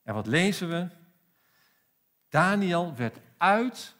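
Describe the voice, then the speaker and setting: A pastor with a South African accent preaching a sermon in a church, emphatic and full of rhetorical questions. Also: male voice, high voice, sing-song, takes it slowly, fairly bright tone.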